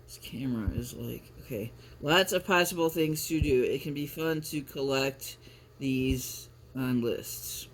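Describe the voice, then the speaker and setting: Clear ambient noise sits behind a man with a mid-pitched voice. He talks like a casual vlogger at home with the camera, rambling along and often breaking off to correct himself. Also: a little slow. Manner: rambling, self-interrupting. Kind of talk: casual chatty vlog with some reading aloud.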